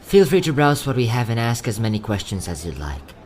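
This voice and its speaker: A man playing a courteous, quietly sad young travelling merchant in a fantasy audio drama, speaking in polite, theatrical salesman's patter. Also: mid-range voice, very animated, a little fast, slight background noise, natural voice. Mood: welcoming sales patter. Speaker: voice actor.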